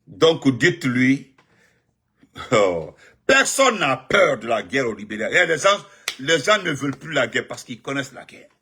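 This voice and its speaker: A man, giving animated live-stream political commentary and greeting viewers, repeating himself and jumping up in pitch when he stresses a point. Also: measured pace, slightly rough. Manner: excited, repetitive, pitch jumps up sharply when emphatic.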